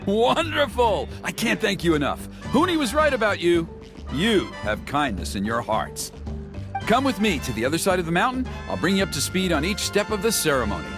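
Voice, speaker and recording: An earnest tribal man in a video game. His delivery swings widely up and down, expressive and easily exasperated. Prominent music plays behind him. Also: high-pitched, normal speed. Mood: hopeful, grateful. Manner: expressive, grumbling, mimics others mockingly. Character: earnest, exasperated tribal elder man organizing a fire ceremony. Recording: loud background music over voice.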